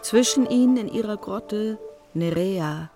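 Over strong music, a woman performs a female visionary narrator of mythic landscapes. She recites slowly and evocatively at a middling pitch, as in a radio play of poetry. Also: close to an everyday voice. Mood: hushed wonder.

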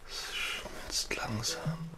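A man in a radio play acting a sick, feverish, exhausted father who speaks in halting, terse phrases with a breathy, weak voice. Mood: weak, subdued. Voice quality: breathy, creaky whisper. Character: feverish, weakening father in a snowbound cabin.

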